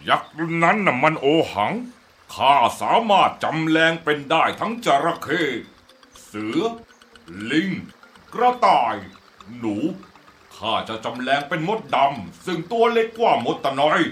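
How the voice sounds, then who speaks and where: A man's voice: fairly high pitch, big pitch swings, a little slow, a bit bright, slight background noise. A man voicing a boastful, scornful, gullible giant who is hungry, in a children's story. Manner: boastful, scornful, self-satisfied. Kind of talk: children's storybook character acting.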